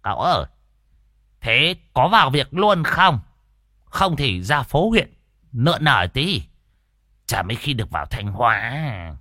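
A man voicing Đồng, a boastful, loud old male sidekick in a ghost story, shrill and bragging. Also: very animated, unhurried, long pauses, dry recording, studio quality, exaggerated voice. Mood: pushy.

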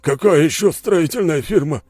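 A man's voice: medium pitch, expressive, a little fast, dry recording, soft background music, pitched above the performer's own voice, close to an everyday voice. A man voicing an arrogant, furious middle-aged enemy general who barks orders in an audiobook. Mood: hostile. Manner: shouting, barking orders. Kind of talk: audiobook character voice.

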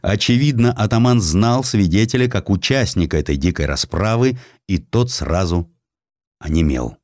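Reading a historical essay for an audiobook, a man speaks low and grave in a measured, serious dramatic-storytelling style. His voice is expressive and a little mellow. The sound is dry, carrying very little room.

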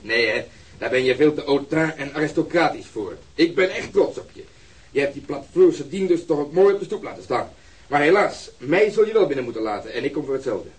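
A blunt police detective with a husky, breathy edge,. He is impatient and sarcastic. His lines come fast and mocking. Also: fairly high pitch, lively intonation. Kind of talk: radio play acting.

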